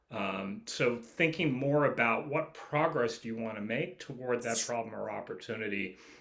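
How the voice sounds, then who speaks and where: Noticeable noise sits in the background. The speaker talks at a moderate pace with ordinary pitch variation. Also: man. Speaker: nonprofit strategy consultant. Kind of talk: webinar presentation.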